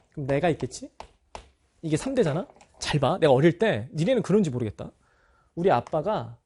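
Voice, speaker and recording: A man with a husky, mellow voice that sits fairly high for a man and swoops up and down a lot. He is a middle-aged teacher speaking frankly to his students, turning a family story into a lesson and checking in with them as he goes. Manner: candid, personal storytelling, addresses students directly. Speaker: Korean language teacher. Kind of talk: talk to students.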